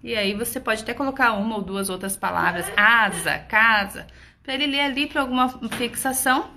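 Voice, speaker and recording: A woman's voice: a little high, quick pace, bright, forceful tone, slight background noise. A woman, an educator, patiently explaining early reading to parents in a casual, reassuring tone. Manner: reassuring, patient, says "né?" often. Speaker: homeschooling educator. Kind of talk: casual teaching talk to parents.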